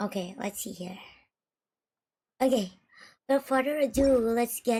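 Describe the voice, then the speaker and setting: The woman's voice moves with ordinary pitch variation. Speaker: VTuber gamer streamer. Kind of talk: live game stream commentary. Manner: casual, chatty.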